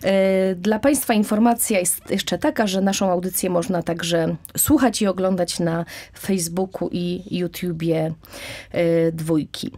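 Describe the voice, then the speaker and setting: A woman in her thirties with a slightly low voice hosts a radio culture interview. She speaks into a studio microphone in measured bits, hesitating mid-sentence before going on. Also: steady tone, warm tone. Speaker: radio host. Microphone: broadcast studio mic, headphones.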